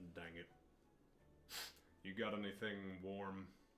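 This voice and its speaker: A put-on character voice with monotone, flat intonation at a moderate pace, against clear background noise. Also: man, fairly low pitch for a man. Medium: actual play. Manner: curt, brusque.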